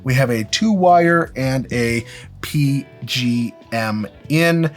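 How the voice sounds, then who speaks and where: A man's voice: medium pitch, slow. A man presenting an instructional gear demonstration in an informal, explanatory way with emphatic phrasing. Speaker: presenter of a film-gear tutorial. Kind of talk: instructional product demonstration with casual asides. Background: background music.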